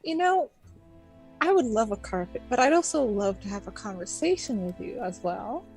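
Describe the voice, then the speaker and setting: A woman's voice: mid-range voice, expressive, normal speed, darkish tone, slightly rough. A woman playing a tabletop role-playing game, improvising casually and playfully. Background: music.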